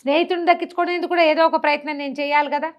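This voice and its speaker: A woman's voice: high voice, fairly even intonation, rapid-fire, muffled recording, pitched above the performer's own voice, natural voice. A woman storyteller voicing an earnest, loyal man who insistently argues his case. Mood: pleading.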